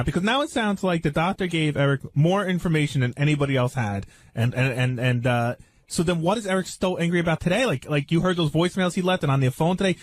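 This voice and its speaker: A man on a radio panel arguing off the cuff in a challenging, exasperated way. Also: sits high. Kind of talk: unscripted radio argument.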